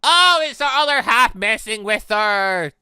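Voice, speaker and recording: An excitable let's play host, commentating on a game and exclaiming while reading along. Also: mid-range voice, measured pace, clean tone, no echo. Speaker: gaming video host reading a visual novel aloud. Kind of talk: let's play commentary with read-aloud character dialogue. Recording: close dry mic over game music. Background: game music.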